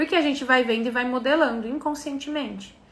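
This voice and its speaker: A woman talking at a very fast pace, with ordinary pitch variation and audible room echo. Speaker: systemic coach. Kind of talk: live stream talk. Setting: Instagram live.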